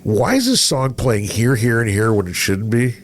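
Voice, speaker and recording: A man's voice: medium pitch, big pitch swings, moderate pace. A middle-aged man hosting a casual conversational interview, telling stories and voicing his own thoughts as he goes. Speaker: podcast host, former radio programmer. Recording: noticeable background noise.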